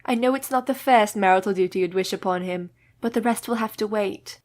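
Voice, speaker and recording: An actress playing a caring, composed young woman who speaks in steady, formal period English in a radio play. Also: mid-range voice, fairly quick, dry recording, lightly acted. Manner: steady, reassuring, formal speech.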